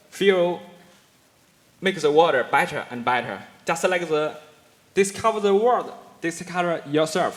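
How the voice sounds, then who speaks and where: This man speaks with a Chinese accent at a high pitch. His pace is fairly slow, broken by long, frequent pauses. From China, Henan province. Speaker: young leader. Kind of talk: short speech at conference. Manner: halting.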